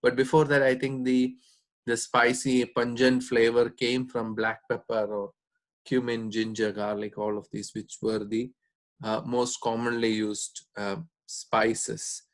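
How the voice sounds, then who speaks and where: In an informal talk as a doctor, this man explains in a measured, hesitant way, stopping frequently. His medium-pitched voice has a flat delivery.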